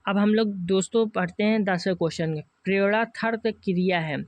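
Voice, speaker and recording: A Hindi-speaking male teacher with a high voice and north Indian accent talks briskly through exam questions in an online class lecture, with no room sound audible. He refers to viewers as friends and covers every option more than once.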